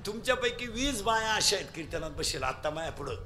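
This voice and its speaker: A man giving a comic devotional kirtan sermon, joking and telling lively stories with acted-out quotes. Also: high-pitched, fairly quick, a little hiss or hum. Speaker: kirtan preacher.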